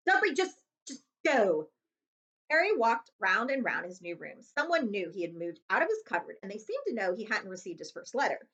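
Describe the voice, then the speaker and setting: Animated, bright-voiced woman reading a storybook. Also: mid-range voice, fairly quick, hardly any pauses, dull audio. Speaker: read-aloud host. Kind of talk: expressive storybook narration.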